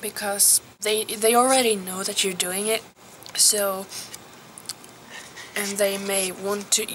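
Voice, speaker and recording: Soft-spoken teen girl, outdoors. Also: mid-range voice, fairly even intonation, slow, a little hiss or hum, low-quality recording. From Norway. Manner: soft, hesitant, drops to a whisper at times. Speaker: vlogger. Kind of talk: casual advice vlog.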